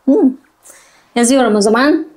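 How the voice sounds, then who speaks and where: Birinci sınıf öğrencilerine hecelere bölerek okuma öğreten bir kadın öğretmen; sesleri tek tek tekrar ediyor ve çocuğu nazikçe yüreklendiriyor. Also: female voice, on the high side, normal speed. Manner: patient, sounds out syllables and repeats them many times; gentle, coaxing, talks straight to the child. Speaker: primary school teacher. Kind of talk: slow phonics reading lesson for first graders.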